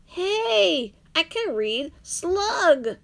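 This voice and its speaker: A woman voicing a small, eager male slug who is learning to read, with squeaky, whiny exclamations. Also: very animated, very slow, vocal fry, fairly bright tone, heavily acted. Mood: excited. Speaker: teacher reading aloud.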